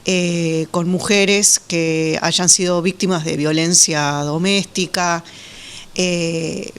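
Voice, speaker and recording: Rioplatense woman, radio interview guest, calm explainer, pauses and fillers often. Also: lowish voice, smooth. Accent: Rioplatense Spanish. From Uruguay, raised in Argentina. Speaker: guest, Muslim women's association representative.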